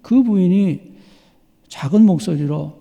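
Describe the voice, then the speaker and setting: A middle-aged man preaching a sermon as pastor, earnest and measured, with dramatic pauses. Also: high voice, animated, vocal fry, dark tone. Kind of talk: sermon with illustrations. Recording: long hall reverb.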